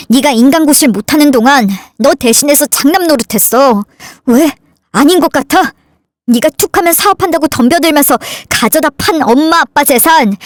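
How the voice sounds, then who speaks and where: A woman's voice: high voice, no echo, clean studio sound. A woman voicing a resentful grown son who is fed up with his family, in a dramatized story reading. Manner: bitter, accusing.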